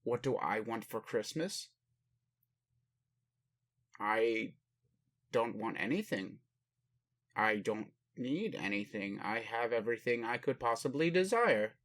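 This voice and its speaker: An ancient alien father, acted by a man in a roleplay audio, talks at a slow, deliberate pace in a mid-range male voice. He phrases things formally and pauses often, doting on his human while puzzled by earthly ways. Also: medium pitch, lively intonation, a bit bright. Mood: gentle, bemused. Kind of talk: roleplay audio addressed to the listener.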